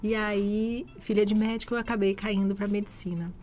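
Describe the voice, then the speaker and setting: A woman from Rio de Janeiro, a physician guest giving steady, explanatory answers in a radio studio interview. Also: medium pitch, moderate pace, faint music behind. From Rio de Janeiro, Brazil.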